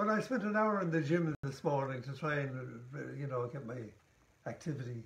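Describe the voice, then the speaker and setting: In an Irish accent, a man speaks fairly quickly with lively intonation and a fairly high pitch. Background noise is noticeable. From Ireland, Tipperary. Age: 90s. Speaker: retired transport inspector and author. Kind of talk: casual interview. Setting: at home.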